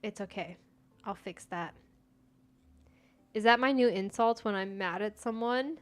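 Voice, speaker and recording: A chatty young gaming streamer from the United States, whose first language is Persian, talks at a medium pitch and an unhurried pace with faint music behind her. She chats casually about the gameplay, answers viewer chat and talks to herself while she plays.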